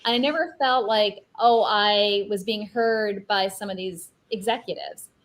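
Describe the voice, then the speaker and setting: A woman film director with a light, higher-pitched voice, speaking earnestly and reflectively as an interview guest. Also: unhurried, fairly bright tone. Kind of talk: conversational interview.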